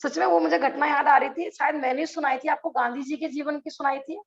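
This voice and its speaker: Earnest high-voiced woman teaching scripture. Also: steady tone, a little fast, creaky, highs cut off. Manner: earnest, rhetorical questions. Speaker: religious teacher. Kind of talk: online scripture class.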